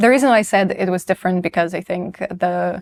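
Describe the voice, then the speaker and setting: A woman's fairly low voice at a very fast pace, on a very clean recording with a silent background. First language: Ukrainian. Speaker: interviewer. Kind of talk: interview.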